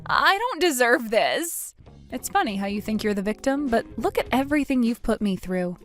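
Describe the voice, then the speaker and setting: A woman's voice: a little high, expressive, normal speed, a bit bright, soft background music. A woman voicing a cold, mocking woman who scolds someone who wronged her. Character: cold scornful woman, the wronged narrator in scene.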